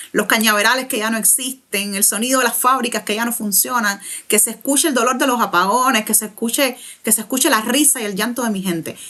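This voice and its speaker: A woman talks at a fairly quick pace in a fairly high, bright, sharp voice with fairly even intonation. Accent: Cuban. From Cuba. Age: 30s. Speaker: writer. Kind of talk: interview.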